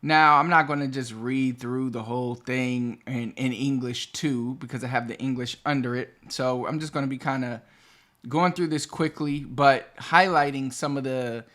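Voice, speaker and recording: Man teaching spanish to camera, chatty, wanders off topic, mid pitch. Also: steady tone, moderate pace, a bit bright. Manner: chatty, digressive, restarts phrases. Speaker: Spanish teacher and channel host. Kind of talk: explaining a language lesson to camera.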